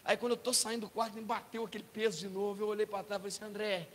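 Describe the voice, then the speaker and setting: A middle-aged Brazilian man preaching a sermon, an animated storyteller who swings from hushed tones to shouting. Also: high voice, racing. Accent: Brazilian Portuguese. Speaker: pastor. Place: church hall. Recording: reverberant church hall with hiss.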